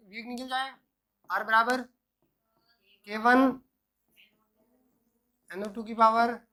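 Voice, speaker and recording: A male chemistry teacher working through examples, asking himself questions and answering them, and dictating formulas slowly piece by piece. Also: sits high, fairly bright tone. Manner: answers own questions, repeats "ठीक है" often. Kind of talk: explaining worked examples at a board.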